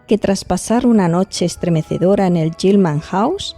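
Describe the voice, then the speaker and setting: A woman's voice: fairly low pitch, normal speed, dark tone, faint music behind, natural voice. A woman with a Spain accent playing a studious, confident investigator who explains things articulately in an audio drama. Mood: serious, explanatory. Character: studious, serious female investigator, confident and helpful. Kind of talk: Spanish-language audio drama dialogue.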